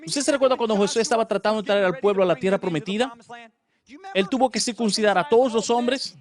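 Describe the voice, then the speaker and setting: A man preaching a sermon, telling the story in an animated way and acting out the characters. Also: sits high, fast.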